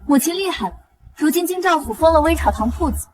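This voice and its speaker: A woman's voice: very high-pitched, lively intonation, fast talker, crowd noise. A woman playing a spoiled, spiteful young noble daughter in a costume drama, petulant and scheming. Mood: gloating, scheming. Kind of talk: costume short drama acting. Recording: music behind the voice.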